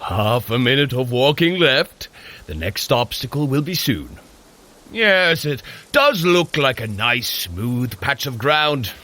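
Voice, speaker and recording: An actor playing a boisterous, jovial Norse warrior god who coaches a mortal runner in a scripted audio drama. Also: male voice, big pitch swings, slow, sharp tone, exaggerated voice. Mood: amused. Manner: jovial, theatrical, booming commands. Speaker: fitness trainer guiding a run.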